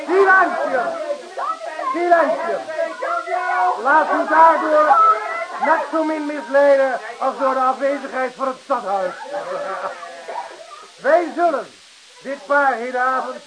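A man's voice: very high voice, takes it slowly, pauses often, heavy background noise. An actor playing a drunken, boisterous man declaiming like a pompous official in a Dutch radio drama. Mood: mock solemn. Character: drunken loud bar reveler, pompous mock official. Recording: old radio recording, rowdy crowd behind.

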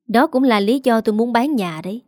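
Harsh scolding old mother-in-law, contemptuous, read by a woman storyteller; mellow voice. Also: a little high, fairly quick, no echo, clean studio sound, lightly acted. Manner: cutting and contemptuous.

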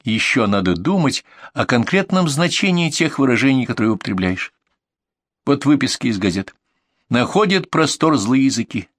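A man reading nonfiction essays aloud as an audiobook narrator, in a measured, deliberate manner that slows down for lists and examples. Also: mid-range voice, fairly bright tone, no room sound, studio quality.

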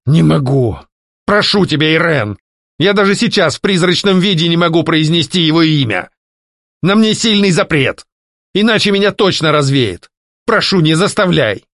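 A man voicing a jealous, petulant male ghost who shouts and pleads. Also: a little high, lively intonation, normal speed, vocal fry, dry recording, studio quality, pitched above the performer's own voice, full character voice. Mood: pleading. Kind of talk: audiobook character voicing.

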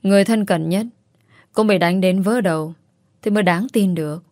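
A woman's voice: mid-range voice, normal speed, a little mellow, no echo, studio quality, lightly acted. A woman voicing a scheming young wife who fakes madness, speaking coldly and calculatingly. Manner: cold, calculating.

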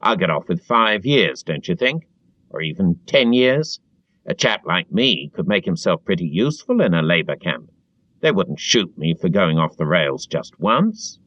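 A man's voice: very animated, moderate pace, a bit bright, dry recording, heavily acted. A man doing a frightened pleading prisoner. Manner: eager, pleading, high and strained. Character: frightened servile middle-aged man, pleading and anxious. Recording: dull dry lo-fi recording.

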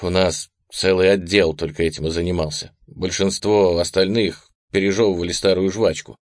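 A scornful ex-government analyst with a gruff, crude way of talking, as a man reads him in a very deep voice. His lines land heavy and dismissive. The sound is dry and up close. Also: steady tone, normal speed, no echo, close to an everyday voice. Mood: defiant. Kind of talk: audiobook reading.

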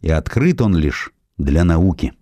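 A man's voice: low-pitched, big pitch swings, a little slow, warm tone, no echo, heavily acted. A man voicing a proud, principled estate owner who guards his animal reserve, declaiming firmly in an audiobook. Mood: proud refusal.

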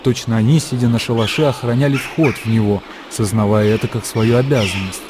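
A man narrating a radio drama in a calm, measured storytelling manner. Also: medium pitch, background noise.

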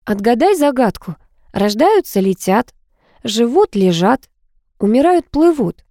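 A woman's voice: a little high, sing-song, measured pace, dark tone, no room sound, studio quality, pitched above the performer's own voice. A woman reading an audiobook voices a playful, dreamy young woman, the narrator's best friend.

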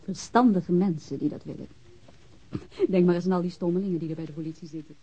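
Sensible determined woman, low very dark husky voice, frank, radio play, muffled recording. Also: steady tone, fast. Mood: earnest, determined. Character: friendly, level-headed, quietly determined woman. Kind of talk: radio drama acting. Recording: dull lo-fi old radio recording.

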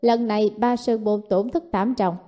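A woman voicing an aged male elder in blue robes who speaks in a slow, measured murmur. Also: fairly high pitch, steady tone, dark tone, lightly acted. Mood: grave.

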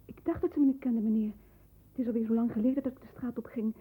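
A meek, devoted young former streetwalker in a 1960s radio play. Her is hesitant and deferential, in a highish, breathy voice. The old recording is muffled and thin. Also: steady tone, fast. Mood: meek, anxious. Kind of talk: 1960s Dutch radio drama acting.

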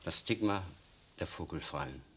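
A man's voice: deep voice, lively intonation, measured pace, a little hiss or hum. An actor playing a defiant, bitter young Jewish man in hiding, speaking intensely in a 1960s radio drama. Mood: grim. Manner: intense, declamatory.

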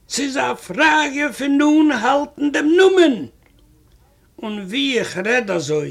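A man tells a comic tale in the first person, wry and chatty. His voice sits very high, with a rough fry, and he takes his time over every phrase. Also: fairly bright tone. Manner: wry, chatty retelling that keeps repeating "I say". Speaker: reader of a humorous story.

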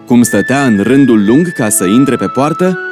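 A man narrating a cartoon story in an even, storytelling manner. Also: mid-range voice, natural voice. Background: background music.

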